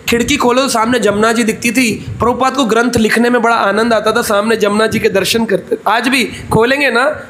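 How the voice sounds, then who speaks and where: A man's voice: very high voice, fairly bright tone, slight background noise. A man preaching a scripture discourse in a temple, telling the story and acting out its dialogue, and posing questions he answers himself. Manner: asks the audience questions and answers them. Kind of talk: Bhagavatam discourse sermon. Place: temple hall.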